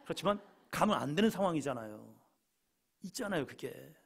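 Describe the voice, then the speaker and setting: A male pastor preaching a Friday evening sermon, telling stories and acting out quoted lines, sometimes shouting and sometimes dropping to a quiet aside. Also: fairly high pitch, very animated, brisk, creaky, breathy edge.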